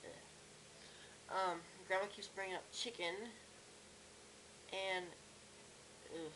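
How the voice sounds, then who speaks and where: A young woman with a cracky, strained voice and sore throat, talking casually and haltingly in a personal video diary. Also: mid-range voice. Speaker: vlogger. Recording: clear background noise, room ambience.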